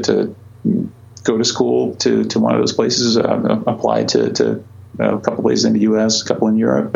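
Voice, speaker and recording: A man's voice: fairly low pitch, vocal fry, darkish tone, lo-fi sound. A man in his forties from Croatia, answering interview questions about his career in a hesitant way, with many fillers and restarts. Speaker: astronomer guest.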